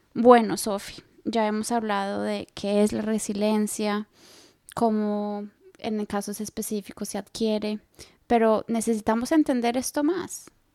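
A woman's fairly high, plain, everyday voice at a fairly slow pace, with fairly even intonation and a dry, close sound with no echo. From Latin America. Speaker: podcast co-host. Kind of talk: casual chat. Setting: radio studio.

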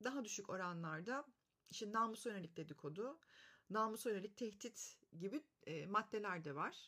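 Her pitch fairly high and her tone bright and sharp, a woman speaks slowly-ish, at a fairly slow pace, with lively intonation. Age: 40s. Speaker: podcast host. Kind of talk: solo podcast monologue. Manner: casual, conversational.

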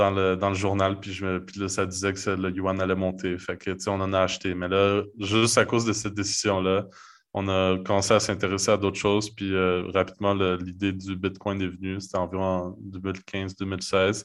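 With very deep, low pitch, a man speaks at a moderate pace in a monotone, flat intonation. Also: quiet background. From Montreal, Quebec. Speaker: bitcoin company community manager. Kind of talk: casual interview chat.

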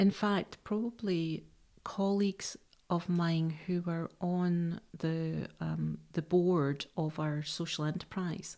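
A woman with a Scottish accent speaks at a very slow pace. Her dark, mellow tone sits fairly low in pitch, with fairly even intonation. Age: 50s. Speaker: university enterprise manager. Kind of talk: interview. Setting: studio.

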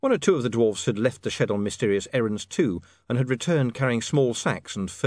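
The clip is reading aloud in a natural voice.

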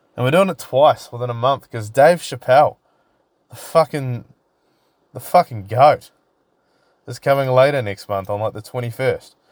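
A man with a New Zealand accent speaks at medium pitch. His pitch varies in an ordinary way. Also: dry, close sound with no echo. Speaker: podcaster and amateur open mic comedian. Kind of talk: casual solo podcast monologue with humor. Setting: home studio with rain noise in background. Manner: animated, rambling, joking.

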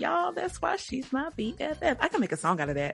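Over noticeable background noise, a woman talks at a moderate pace in a high voice with very wide pitch swings. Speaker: podcast host. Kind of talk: casual chat. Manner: animated.

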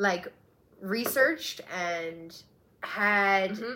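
A woman speaks with a Canadian accent in a medium pitch. Her tone is bright and sharp, with ordinary pitch variation. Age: 30s. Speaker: podcast co-host. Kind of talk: casual chat.

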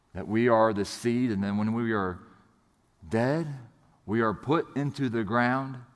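A fairly slow pace with long, frequent pauses and audible room echo. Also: man, medium pitch for a man, ordinary pitch variation. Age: 40s. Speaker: pastor. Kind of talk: sermon. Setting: church.

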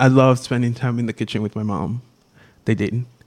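With a Congolese accent, a man speaks at a moderate pace in a dark, mellow tone, recorded dry and close with no echo. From Congo, Lubumbashi. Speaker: guest, ministry student. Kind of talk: personal testimony interview.

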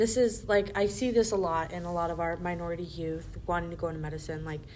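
A woman with an unremarkable speaking voice talks at a fairly quick pace, her fairly low pitch showing ordinary variation. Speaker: student podcast host. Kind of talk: casual chat.

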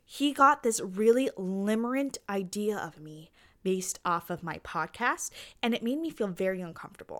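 A normal speaking voice with an American accent moves at a moderate pace, with lively intonation and big swings in loudness. The recording is very clean, with a silent background. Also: woman, medium pitch for a woman. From Utah, US. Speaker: podcast host. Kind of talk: casual solo podcast monologue. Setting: home recording with poor audio. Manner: chatty, self-deprecating.

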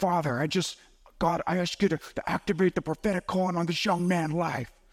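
A man uses a raspy, put-on character voice with a high pitch and fairly even intonation, recorded with a dry, close sound and no echo. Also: moderate pace. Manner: praying, earnest.

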